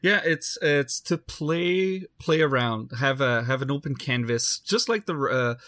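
Halting male producer, dry sound. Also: mid-range voice, expressive, fairly bright tone, dry recording. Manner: halting, many restarts and fillers. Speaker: audio drama producer. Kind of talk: casual podcast chat.

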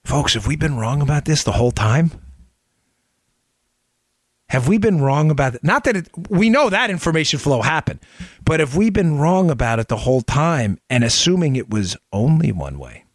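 A man's voice: on the high side, sing-song, normal speed, dry recording, studio quality. A man hosting a political talk show, giving opinionated commentary with rhetorical questions, repeated phrases and direct address to listeners.

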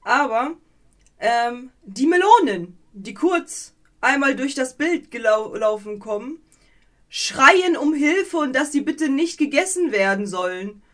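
A woman co-hosting a podcast in casual chat, animated and rambling, with many fillers and a playfully mocking edge. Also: sits high, slow. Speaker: podcast co-host.

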